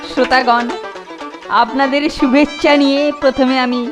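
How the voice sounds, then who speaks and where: A woman's voice: sits high, flat delivery, normal speed, natural voice. A woman voicing Keltu, a scheming, bossy teenage boy in a cartoon, with music under the dialogue. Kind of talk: Bengali cartoon dubbing.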